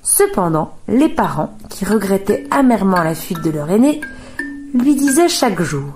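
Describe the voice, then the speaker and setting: A woman narrating a children's tale in a calm, expressive storybook reading. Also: mid-range voice, normal speed. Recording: radio studio with music bed.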